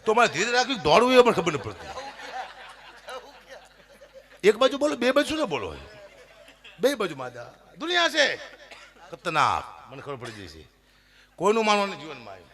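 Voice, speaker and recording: A middle-aged man, performing a stage comedy monologue full of laughter and loud outbursts. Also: sits high, normal speed, long pauses. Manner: lively storytelling with laughter, loud bursts for quoted voices. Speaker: folk comedian performing at a dayro.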